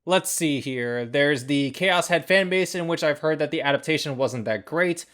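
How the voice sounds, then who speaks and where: A video host narrating a scripted review in a measured, first-person commentary style. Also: mid-range voice, a bit bright. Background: background music.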